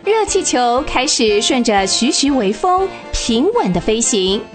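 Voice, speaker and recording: A woman narrating a children's radio drama with expressive, vivid storytelling. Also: a little high, measured pace, over loud music.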